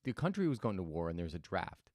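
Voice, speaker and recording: A man's voice: low-pitched, big pitch swings, fast talker, darkish tone, no room sound. A man hosting a reflective motivational talk, telling stories thoughtfully with frequent restarts. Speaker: host.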